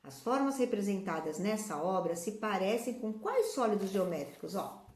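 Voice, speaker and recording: A woman's voice: medium pitch, big pitch swings, moderate pace, noisy background. A woman teaching a children's math lesson, patiently explaining shapes while pointing at objects. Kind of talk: classroom video lesson. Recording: echoey room.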